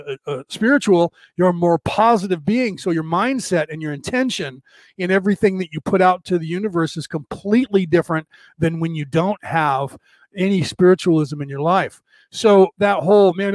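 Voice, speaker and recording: A middle-aged man with a rough, odd-sounding voice, hosting a rambling, casual spiritual talk for a live audience. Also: high-pitched, dry recording. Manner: rambling, many restarts and fillers. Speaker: livestream host.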